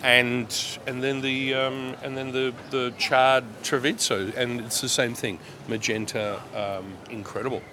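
A man's voice: mid-range voice, level tone, a little slow, hardly any pauses, bright, forceful tone, a little hiss or hum. A man hosting a casual radio chat, enthusiastic and teasing as he talks about food. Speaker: radio host.

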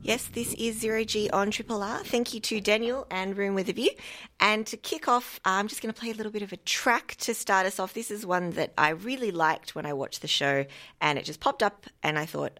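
A woman's voice: lowish voice, fairly bright tone. A woman with an Australian accent co-hosting a radio show from a studio, friendly and upbeat. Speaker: radio co-host. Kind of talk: casual radio chat.

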